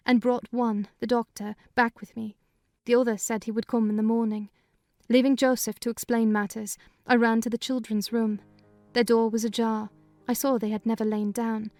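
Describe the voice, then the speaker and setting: Female audiobook narrator, measured storytelling, slightly high voice. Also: darkish tone. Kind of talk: dramatized audiobook reading.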